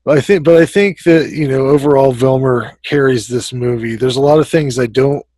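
A man's voice: medium pitch, moderate pace, no room sound, poor audio. A man in his thirties co-hosting a horror podcast, giving blunt opinions and a score, over a desk mic on a video call from home. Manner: blunt, opinionated, trailing off quietly. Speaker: podcast co-host. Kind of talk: casual film review chat. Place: home room.

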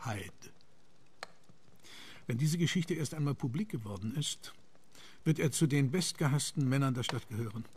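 An actor playing an earnest, sober gentleman telling a story in a measured, serious way in a radio drama. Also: mid-range voice, lively intonation, a little hiss or hum, natural voice. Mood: grave. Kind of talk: German radio play acting.

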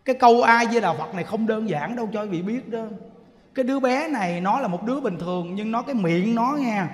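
A man with a Southern Vietnamese accent preaching a Buddhist sermon, emphatic and full of rhetorical questions, sometimes dropping to a soft chant. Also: high-pitched, expressive, fast. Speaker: Buddhist teacher. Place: temple hall. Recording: echoey hall reverb.

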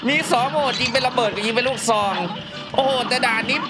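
Young male game streamer, high and animated, boastful and sweary, sore-mouthed after wisdom teeth removal, loud music behind. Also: fast talker, low-quality recording. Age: young adult. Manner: excitable, sarcastic, mock boasting, swearing. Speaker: gaming YouTuber. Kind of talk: gameplay commentary. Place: small room indoors at a gaming desk.

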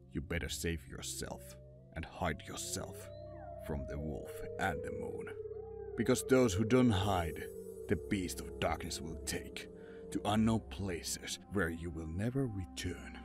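Male horror narrator, non-native English, low voice, slow delivery, ominous and dramatic, music behind. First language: not English. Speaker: narrator and writer. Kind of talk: scripted horror story narration.

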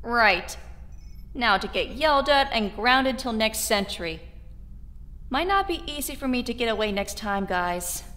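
A woman's voice: fairly high pitch, animated, unhurried, pushed and bright. A woman playing a flippant teenage girl hero in an audio drama. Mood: wry.

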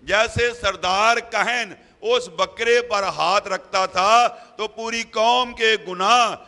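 A man in his forties preaching a sermon into a handheld microphone in a church hall, emphatic and repetitive, swinging between loud and soft. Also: high-pitched, steady tone, slow pace. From Pakistan. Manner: emphatic, repeats key phrases, rises and drops sharply. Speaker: evangelist preacher. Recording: long reverb of a hall.

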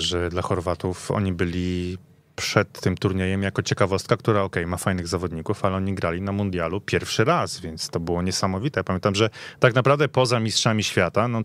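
A man's voice: low-pitched, no room sound. A man on a sports panel, reminiscing casually in conversation, recorded in a radio studio. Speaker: football podcast panelist.

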